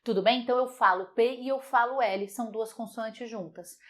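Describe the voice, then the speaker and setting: A lively woman teaching an online grammar lesson. Her voice sits fairly high, and she repeats each example word slowly to model its sounds. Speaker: Portuguese teacher.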